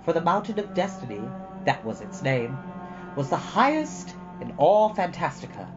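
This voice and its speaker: A storytime host with a medium-pitched voice, chatting casually and informally with rambling asides and reading from a storybook. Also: big pitch swings, moderate pace. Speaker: host of a storytime livestream, reading a novel aloud. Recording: dull lo-fi audio with background music. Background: ambient background music.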